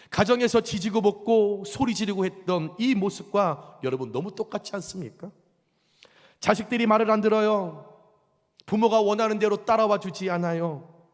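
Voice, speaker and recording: A male pastor delivers a sermon in an emphatic, conversational manner and keeps turning to the congregation with rhetorical questions. His voice sits unusually high for a man. A long reverb trails behind it in the church sanctuary. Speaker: senior pastor.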